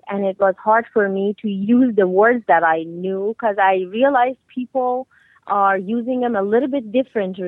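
A woman from Iran, a guest speaking over the phone, chatty and quick to laugh. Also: a little high, dry recording. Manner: laughs easily, eager and chatty. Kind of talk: phone interview. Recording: tinny phone line.

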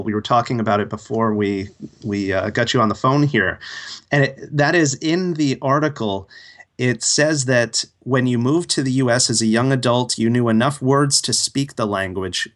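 A man's voice: medium pitch, a bit bright. A man co-hosting a podcast, politely introducing and questioning a guest. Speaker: podcast co-host. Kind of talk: interview hosting.

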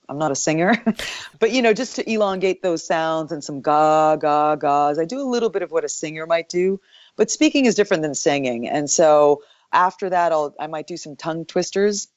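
Low-voiced woman with a deep morning voice. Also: moderate pace, no room sound, dull audio. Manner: thoughtful, explanatory, with soft laughs. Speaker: voice actor guest. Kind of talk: interview answers.

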